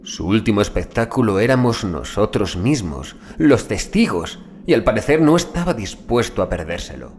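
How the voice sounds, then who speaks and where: A man narrating a scripted first-person horror story in a measured, deliberate literary manner. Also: lowish voice, very animated, darkish tone, slight background noise. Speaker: audiobook narrator.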